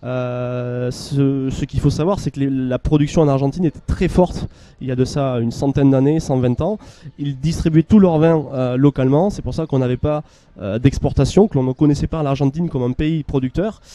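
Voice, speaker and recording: A man talks with a southern French accent in a dark, mellow tone. His pace is moderate, his pitch variation ordinary, and the sound is dry and close with no echo. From southern France. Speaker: winemaker. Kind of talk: interview. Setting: live event stage set. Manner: halting, many hesitations.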